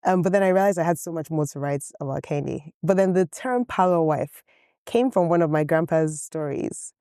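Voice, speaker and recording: A woman's voice: low voice, moderate pace, mellow, smooth, dry recording, studio quality. A woman whose first language is Yoruba, an author talking articulately in an interview and often saying "you know". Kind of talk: conversational interview.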